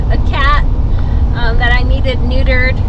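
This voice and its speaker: Loud background noise is present. Through it, a woman talks. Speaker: ranch owner vlogger. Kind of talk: casual vlog chat. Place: car.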